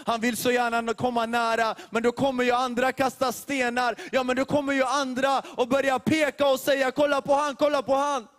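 A man's voice: extremely high pitch, level tone, hardly any pauses, a bit bright. A male youth leader preaching a sermon with emphatic, repetitive phrasing and rhetorical questions. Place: large church hall. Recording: long hall reverb.

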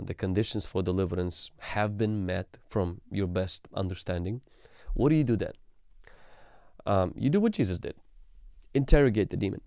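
A man in his thirties, a pastor, teaching calmly on a livestream into a studio mic in a small room, with frequent ums. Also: deep voice, vocal fry, dry recording. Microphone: studio mic on boom arm.

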